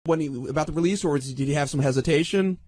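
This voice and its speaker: A man's voice: on the high side, racing, a little mellow, no echo, studio quality. A man on a radio panel asking persistent questions in an unscripted debate.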